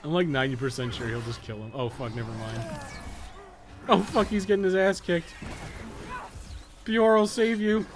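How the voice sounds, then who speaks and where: A man's voice: on the high side, steady tone, normal speed, pauses often, music in the background. A man giving casual live gameplay commentary as a streamer, swearing casually. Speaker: game livestreamer. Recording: clearly noisy background.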